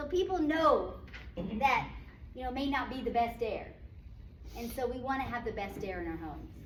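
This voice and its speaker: A woman talks at a moderate pace with a high, lively voice, leaving long, frequent pauses. Noticeable background noise and audible room echo surround her. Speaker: sales trainer. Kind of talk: training talk.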